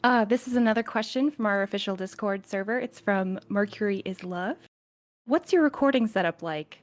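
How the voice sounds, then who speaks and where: A woman's voice: mid-range voice, moderate pace. A woman with a mid-range voice speaks as one of a podcast's cast. Her talk is casual and conversational, like a group chat. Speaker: podcast cast member and writer.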